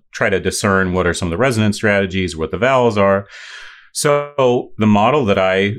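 A middle-aged man explaining voice science in an interview, thoughtful, with many fillers and restarts. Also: low-pitched. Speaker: voice science expert.

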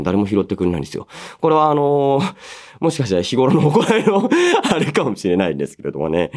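A man's voice: sits low, a little mellow. A man in his thirties hosting a radio show solo, reading listener mail and musing aloud in a polite but casual way.

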